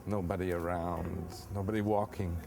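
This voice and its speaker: A man's voice: low voice, fairly even intonation, normal speed, gravelly, background noise. An American man talking as an interview guest in a casual, rambling way, with many fillers and restarts. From United States.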